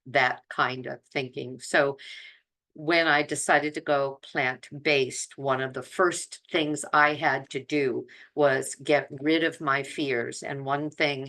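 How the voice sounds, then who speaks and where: An older woman with a very deep voice for a woman, hosting an informal talk as a health coach. She speaks slowly and deliberately, often pausing in the middle of a phrase. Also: bright, forceful tone. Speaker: health coach and video host.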